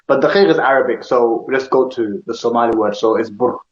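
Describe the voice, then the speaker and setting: A man's voice: mid-range voice, a little fast. East African man in an echoey room. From Kenya. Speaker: host comparing vocabulary with a guest. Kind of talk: casual chat in a language comparison. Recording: echoey room, slightly dull lo-fi sound.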